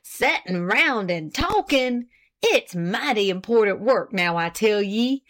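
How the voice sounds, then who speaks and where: A woman's voice: mid-range voice, big pitch swings, a little slow, fairly bright tone. A woman voicing a pompous, self-important old farmer husband with an indignant, boastful rural drawl.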